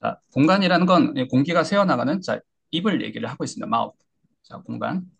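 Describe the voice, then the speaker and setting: A man teaching English pronunciation in an online lecture, explaining step by step with frequent hesitation fillers and modeling words with exaggerated pitch. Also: expressive, brisk, gravelly, husky.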